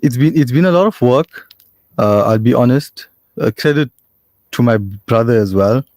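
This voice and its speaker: A man, a restaurant owner speaking as a radio guest in a measured, modest way, often restarting his sentences. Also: mid-range voice, lively intonation, a little mellow, no room sound, studio quality. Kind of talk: radio interview. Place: radio studio.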